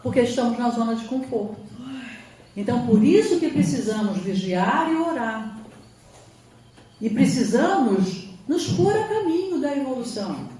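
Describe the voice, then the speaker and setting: A woman's voice: on the high side, sing-song, moderate pace, warm tone, a little hiss or hum. A woman giving an emphatic spiritual lecture, sometimes acting out quoted voices. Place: lecture hall. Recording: roomy hall from far off, faint ambience.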